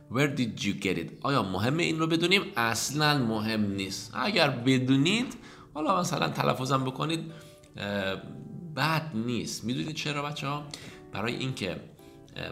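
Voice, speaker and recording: Low-voiced Persian man teaching English. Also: vocal fry, pushed and bright. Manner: slow, exaggerated reading of English example lines; explains rapidly in casual Persian, addressing viewers as kids. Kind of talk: language lesson explaining dialogue.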